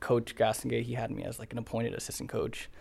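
With vocal fry, a man talks fairly quickly at a medium pitch. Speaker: college tennis player. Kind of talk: interview. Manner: halting.

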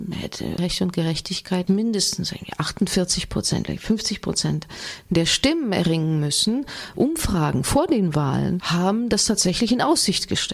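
Noticeable background noise sits behind a woman at medium pitch. She talks at a fairly slow pace with lively intonation. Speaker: journalist and commentator. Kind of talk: radio discussion programme. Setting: studio.

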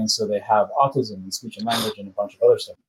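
A man speaks at a very fast pace. His medium-pitched voice is somewhat breathy. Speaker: professor and researcher. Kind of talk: interview conversation.

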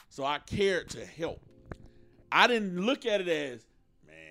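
A man's pitch swings very widely as music plays in the background. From Atlanta, US South. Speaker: podcast host. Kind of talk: casual chat.

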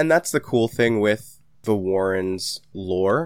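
On a very clean recording with a silent background, a man with an American accent speaks in a very deep, low pitch. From New York, Queens. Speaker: horror film reviewer. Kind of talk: casual chat.

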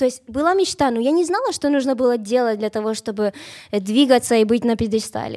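A woman's high-pitched voice with a dark, mellow tone and ordinary pitch variation. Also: fairly quick pace. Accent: Spanish. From Bolivia. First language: Spanish (speaking Russian). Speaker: singer. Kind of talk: casual chat.

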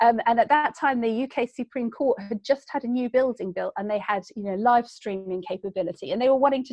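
Southern English accent at a fairly quick pace, ordinary pitch variation, dry, close sound with no echo. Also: woman. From England, Gloucestershire (Cotswolds). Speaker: environmental campaigner. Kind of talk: interview.

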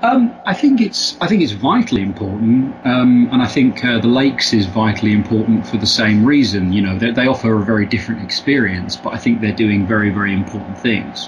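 Over noticeable background noise, a man with a northern English accent talks at a fairly quick pace with hardly any pauses, his medium pitch moving with ordinary variation. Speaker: comics writer. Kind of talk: casual interview. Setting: phone call. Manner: halting, many fillers.

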